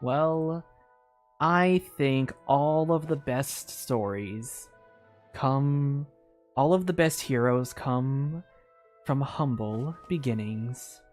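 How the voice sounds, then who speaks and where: Excitable streamer chatting over game. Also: medium pitch, extremely slow, faint music behind. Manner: excitable, chatty, reads game text aloud. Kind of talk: casual live-stream commentary.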